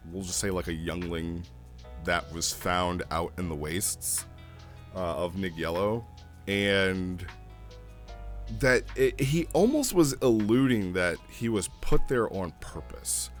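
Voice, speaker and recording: A man giving a casual, unscripted review as a host, rambling a little and thinking aloud as he goes. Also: low-pitched. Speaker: host reviewing roleplay logs.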